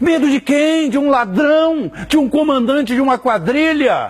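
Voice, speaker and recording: With noticeable background noise behind him, a man talks at a fairly slow pace with an extremely high pitch and ordinary pitch variation. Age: 60s. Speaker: political commentator. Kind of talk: political rant. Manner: animated.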